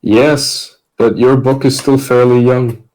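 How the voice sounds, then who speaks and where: A man's voice: medium pitch, steady tone, slow pace, darkish tone, a little hiss or hum, poor audio. A man co-hosting in a casual chat, joking in a sarcastic and crude way.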